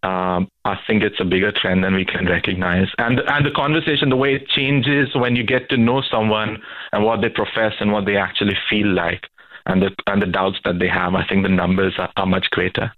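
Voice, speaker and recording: A man's voice: fairly low pitch, steady tone, brisk. A man calling in to a radio debate on a tinny phone line, speaking earnestly and stumbling over repeated words. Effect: tinny phone-line sound.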